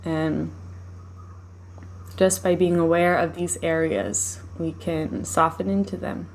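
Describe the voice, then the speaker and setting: Casting: female meditation teacher, lowish voice, soothing and unhurried delivery, noticeable background noise on the recording. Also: steady tone. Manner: soothing, unhurried, gently instructive. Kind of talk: guided meditation, live session.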